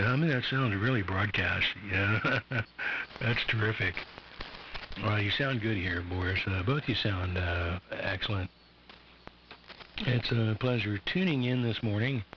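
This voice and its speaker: An older retired man chats loosely on the air in a slightly low voice and teases himself about his age. The sound is muffled shortwave with a clear bed of static. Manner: relaxed, rambling, self-deprecating. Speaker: ham radio operator. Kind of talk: casual radio chat. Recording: dull shortwave radio with static.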